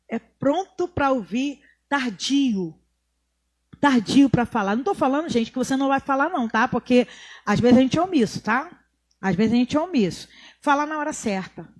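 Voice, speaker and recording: Brazilian woman pastor, middle-aged, high voice, chatty sermon with pauses. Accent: Brazilian Portuguese. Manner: conversational preaching with asides and pauses.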